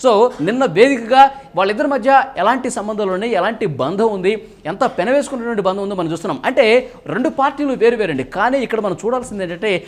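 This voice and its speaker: Male news commentator, high voice, rapid fluent delivery, explanatory, leans on "so" to open phrases. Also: expressive. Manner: fluent, explanatory, often opens phrases with English "so". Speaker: political commentator.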